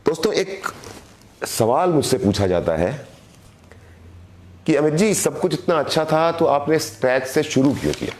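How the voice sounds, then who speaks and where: A middle-aged man with a sore, hoarse throat giving an earnest motivational live video address as a direct selling team leader, repeating phrases for emphasis. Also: fairly high pitch, lively intonation, moderate pace, pauses often, darkish tone.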